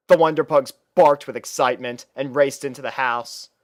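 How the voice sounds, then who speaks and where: A man's voice: mid-range voice, fairly even intonation, normal speed, dry recording, studio quality. A man reading fan fiction aloud as scripted, storybook-style narration.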